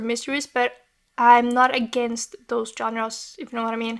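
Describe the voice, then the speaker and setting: In a Norwegian accent, a woman speaks with a high pitch. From Norway. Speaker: book vlogger. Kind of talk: casual vlog talk to camera. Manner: halting.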